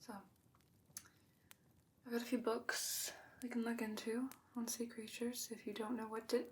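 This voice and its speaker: A woman voicing a wise, gently stern old sorceress in a soft, breathy ASMR fantasy roleplay, speaking in a measured, deliberate way. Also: fairly high pitch, level tone, natural voice. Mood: firm, chiding.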